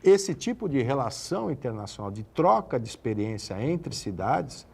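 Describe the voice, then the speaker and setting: A man's voice: medium pitch, sing-song, moderate pace, gravelly, a little mellow, husky. A man from Santos, a guest on a TV talk show, speaking with passion and building emphatic lists. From Santos, Brazil. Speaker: city official guest.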